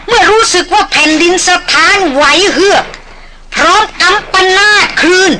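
A woman's voice: extremely high pitch, expressive, moderate pace, rough recording. A woman narrating a novel with dramatic, vivid delivery. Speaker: audiobook narrator. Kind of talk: novel reading.

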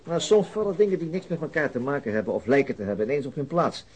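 Radio drama detective played by a man: businesslike, probing, fast and lively in intonation, slightly rough voice. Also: mid-range voice, lightly acted. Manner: questioning, direct. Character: probing male police detective, businesslike and persistent.

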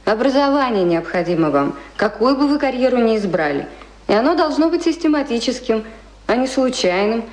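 A woman's voice: a little high, big pitch swings, fairly quick, a little mellow, low-quality recording. Refined, mildly reproving young lady. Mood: reasoning, instructive. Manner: genteel, reasoning, mildly reproving. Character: refined, educated, gently corrective young lady. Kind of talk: radio play acting.

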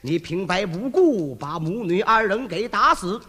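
A storyteller playing Tang Monk, a gentle but stern master monk, in a slow solemn preaching manner, for a traditional storytelling performance. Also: medium pitch, lively intonation, slightly rough, long reverb tail, pitched below the performer's own voice, heavily acted. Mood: solemn, scolding.

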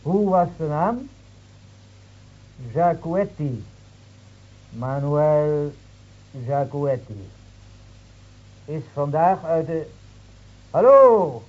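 A man's voice: on the high side, expressive, extremely slow, pauses often, darkish tone. An actor playing a scornful, officious city-bred policeman in a Dutch radio drama, lecturing and brusque. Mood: official, exasperated. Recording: muffled old radio recording.

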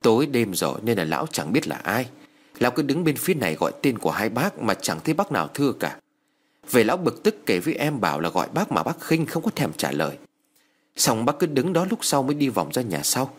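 A man voicing a nosy, loud-mouthed village woman, who talks loudly and calls out. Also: slightly rough. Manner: shrill, loud, calling out.

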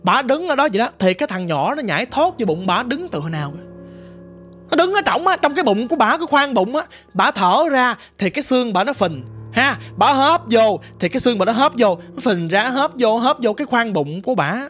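A woman's voice: a little high, very animated, fairly quick, fairly bright tone, soft background music. A woman with a Southern Vietnamese accent telling her ghost story in a vivid, dramatic, casual way, talking straight to the listener. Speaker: storyteller guest.

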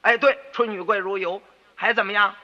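A man playing blustering pompous house stewards, high loud voice, bright tone, dull radio sound. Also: steady tone, fairly quick. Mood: indignant. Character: group of pompous, indignant rich-house stewards. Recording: dull radio recording with long reverb.

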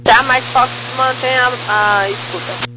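A woman working as an air traffic controller, heard over a two-way radio and giving clearances in brisk, formal radio phraseology. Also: fairly high pitch, fairly even intonation. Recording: noisy radio transmission with hiss.

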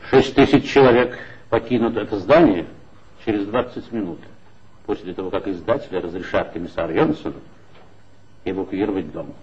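An actor playing a weary, reflective middle-aged police commissar in a 1960s radio play, musing at times and curt at others. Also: male voice, fairly low pitch, brisk, darkish tone, dull audio, natural voice. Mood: firm.

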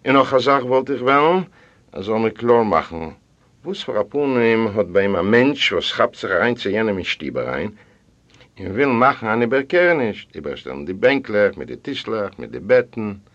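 A man reading a story aloud in the first person, expressive and swinging between hushed and loud passages. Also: fairly low pitch, moderate pace. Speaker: audiobook reader. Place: library recording room. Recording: dull lo-fi audio.

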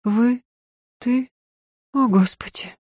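A narrator voicing a gentle young lady of good family who cries out in breathless alarm. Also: mid-range voice, slow, slightly rough, no room sound, studio quality, voice pushed up.

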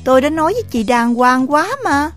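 Woman acting composed young woman, Southern Vietnamese accent, soft, measured, quietly defiant. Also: sits high, lively intonation, faint music behind. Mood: calm. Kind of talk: audio drama acting.

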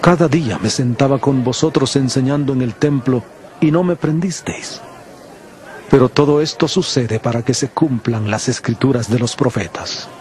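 An actor playing Jesus as a calm, authoritative teacher, solemn and measured, in dramatized Bible audio. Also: male voice, mid-range voice, close to an everyday voice. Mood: firm, reproving. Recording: music behind the voice.

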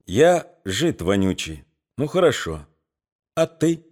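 A man's voice: medium pitch, slow. A man reading a story aloud, voicing a defiant tavern fiddler who speaks dryly and with authority. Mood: calm. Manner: calm and dry, then commanding. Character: wiry male tavern fiddler, wry and defiant.

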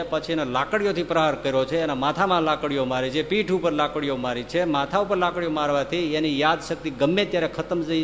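A man's voice: on the high side, in a large hall, slight background noise, close to an everyday voice. Man doing a theatrical courtroom lawyer. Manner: dramatic, overstated pleading. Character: scheming male lawyer arguing in court.

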